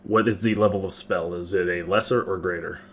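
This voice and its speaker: A man narrating and refereeing a tabletop role-playing game as game master, conversational and pausing to explain rules. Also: low-pitched, steady tone, fairly bright tone, a little hiss or hum.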